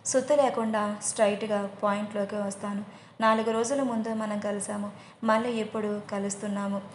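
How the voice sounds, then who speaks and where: A woman voicing a pushy, scheming young man who is quick to anger, in an audio story. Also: sits high, flat delivery, echoey room, a little hiss or hum, natural voice. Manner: pushy, insistent.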